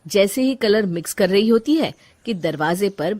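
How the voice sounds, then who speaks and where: A woman narrating a Hindi cartoon moral story in a calm storytelling way. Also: mid-range voice, normal speed.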